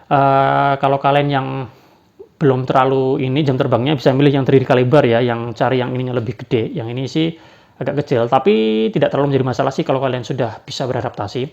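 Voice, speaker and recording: A man's voice: medium pitch, quick pace, vocal fry, darkish tone. A man giving a casual spoken product review, hesitant, with many fillers and tag questions. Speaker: badminton racket reviewer. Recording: dull lo-fi sound.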